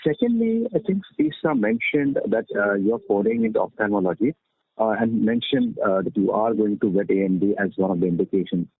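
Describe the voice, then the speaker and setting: A male analyst with a husky voice asking questions on an earnings call. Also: lowish voice, lively intonation, fairly quick, no room sound. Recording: dry, muffled narrowband phone line.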